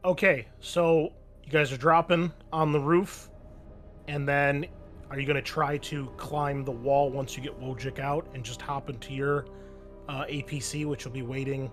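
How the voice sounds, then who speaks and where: A man's voice: medium pitch, fairly even intonation, normal speed, a bit bright, soft background music. A man running a tabletop game as game master, explaining the scene conversationally in a hesitant, piece-by-piece way. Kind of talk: improvised tabletop game narration and chat.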